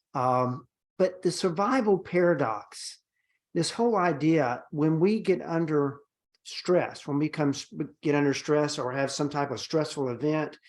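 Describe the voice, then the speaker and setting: A man with a Southern US accent at a fairly slow pace, fairly high in pitch, with ordinary pitch variation. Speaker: doctor. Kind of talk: interview. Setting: video call.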